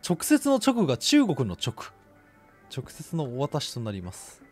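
A man's voice: on the high side, huge pitch swings, unhurried, faint music behind, full character voice. A man voicing an overly polite, shady delivery man from a horror game, formal and explanatory. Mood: stiffly polite.

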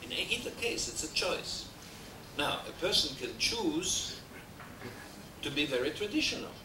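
Speaking German as his first language, this older male lecturer has an Austrian German accent, a voice on the high side, very animated delivery and a slightly slow pace. His academic talk is discursive and wry, full of hesitations and dry humor, given at a desk mic on a stand. Captured from afar in an echoey wood-paneled hall, it survives as a roomy, noisy VHS transfer.

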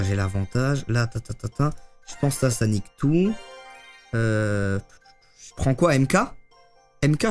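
A man giving live commentary on his own gameplay to chat, excitable and swearing often. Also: lowish voice. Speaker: streamer.

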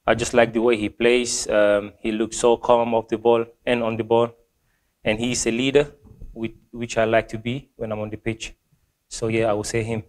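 Hesitant young man, flat low-key voice. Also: normal speed. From Gambia. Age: young adult. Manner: hesitant, many ums and restarts. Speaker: football player. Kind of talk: reading fan questions and answering. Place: small plain indoor room.

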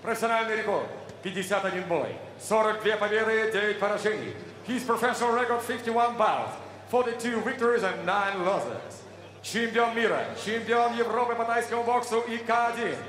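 A man working as an arena announcer, introducing fighters from the ring in a booming, drawn-out showman delivery. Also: a bit bright. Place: boxing ring in a large indoor arena. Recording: echoey arena hall with faint noise.

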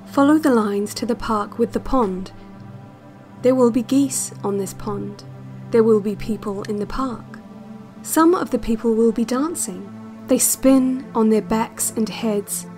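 A woman playing a calm, controlling narrator of an institute's relaxation cassette, measured and hypnotic in an audio drama. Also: a little high, faint music behind, close to an everyday voice. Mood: hypnotic, instructive. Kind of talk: scripted guided-meditation narration, audio drama.

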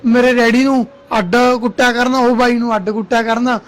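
A man's voice: very high-pitched, steady tone, a little fast. A young man, a driver's son, speaking earnestly and respectfully in an interview. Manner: respectful, earnest, adds polite "ji" often.

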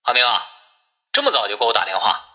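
Guy playing a grumbly villager on a phone line, super sharp bright voice, swoopy pitch, complains reluctantly. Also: wildly swooping pitch, quick pace, exaggerated voice. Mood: surprised.

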